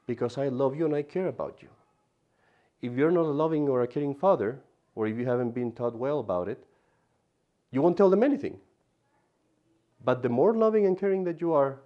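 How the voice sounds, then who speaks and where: A man teaching an adult catechism class in an animated way, often repeating himself and turning aside to talk to the class. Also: mid-range voice, highs cut off.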